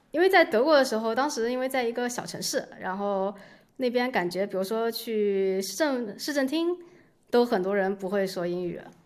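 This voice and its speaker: A woman with a fairly high pitch talks at a moderate pace using lively intonation. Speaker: PhD student. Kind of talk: casual interview chat. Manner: halting, many fillers.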